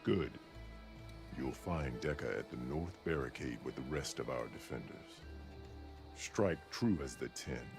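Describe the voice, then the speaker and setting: An actor playing a stern, imposing tribal war chief in a video game, speaking in a formal, declamatory way. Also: male voice, a bass voice, animated, a little slow, over music, full character voice. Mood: stern, measured. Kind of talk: dramatic video game acting.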